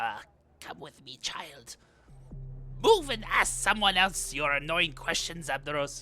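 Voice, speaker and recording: A put-on character voice at a middle pitch speaks at a fairly slow pace with long, frequent pauses. Faint music plays in the background. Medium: actual play. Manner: brisk, commanding.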